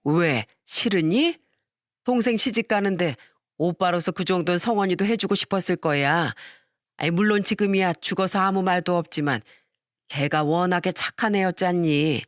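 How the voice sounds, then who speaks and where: A woman voicing a greedy, scheming middle-aged mother-in-law who speaks slowly and coaxingly, close and dry. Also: fairly low pitch, no echo, lightly acted. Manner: slow, coaxing, self-pitying.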